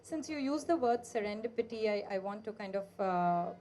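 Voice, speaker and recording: A woman with a mid-range voice, moderating at a book launch and retelling the author's life story in a brisk, storytelling manner. She sprinkles her talk with fillers, and faint event noise sits underneath. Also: medium pitch, animated, mellow. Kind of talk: summarizing the book for an audience.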